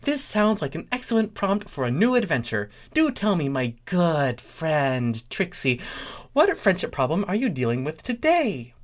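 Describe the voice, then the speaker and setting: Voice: medium pitch, big pitch swings, measured pace, pitched above the performer's own voice. A performer voicing a chirpy, oblivious female unicorn pony with a breezy, eager manner and a scheming streak. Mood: cheerful.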